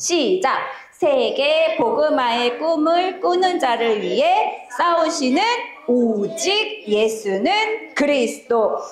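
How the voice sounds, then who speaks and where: High-pitched and very slow, a woman speaks with very wide pitch swings. Noticeable background noise and audible room echo fill the recording. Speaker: children's pastor. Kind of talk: sermon. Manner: animated.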